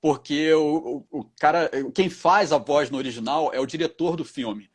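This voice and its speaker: A male voice actor and dubbing director, answering interview questions with animated stories, acting out quoted lines in other voices and laughing often. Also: on the high side, moderate pace, slightly rough.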